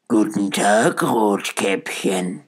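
Man doing a sly, hushed storybook wolf. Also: lowish voice, lively intonation, extremely slow, full character voice. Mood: coaxing. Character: sly, greedy wolf coaxing a child.

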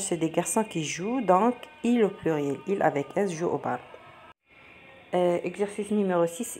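A woman's voice: on the low side, warm tone. A woman explaining a primary-school practice exam step by step to children, patiently repeating each question before answering it. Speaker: teacher going over a practice exam. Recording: faint background noise.

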